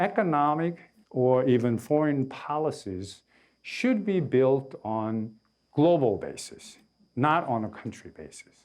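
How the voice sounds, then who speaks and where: With a Korean accent, a man speaks at a medium pitch with lively intonation and big swings in loudness against a quiet background. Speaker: lecturer. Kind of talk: lecture. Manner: halting.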